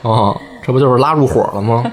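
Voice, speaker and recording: A man retelling a folk tale comically, animated and laughing, slipping into character voices. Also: medium pitch, quick pace, crowd noise. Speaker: podcast storyteller.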